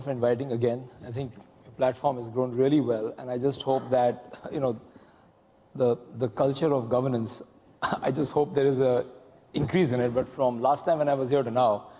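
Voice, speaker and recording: A man's voice: medium pitch, steady tone, a little fast, mellow. A man, speaking frankly as a panelist. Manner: candid, frank opinions. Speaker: panelist, investment executive. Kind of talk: panel discussion. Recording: long hall reverb.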